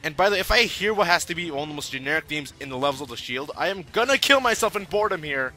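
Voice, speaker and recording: Fast, animated man reviewing with sarcasm. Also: a little high, slight background noise. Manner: irreverent, sarcastic, slangy. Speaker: anime reviewer and host. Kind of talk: casual opinionated video review narration.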